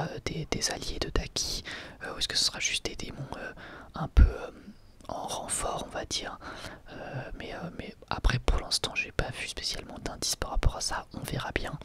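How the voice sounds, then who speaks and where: Male ASMR host for whispered reviews, bright breathy tone, thinks aloud hesitantly. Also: medium pitch. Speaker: host reviewing an anime episode.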